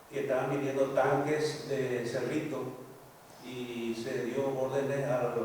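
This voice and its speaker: A man's voice: medium pitch, darkish tone, a little hiss or hum. Older Paraguayan man testifying in echoey courtroom. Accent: Paraguayan Spanish. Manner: measured, recounting events with frequent restarts. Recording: echoey hall, distant mic, faint ambience.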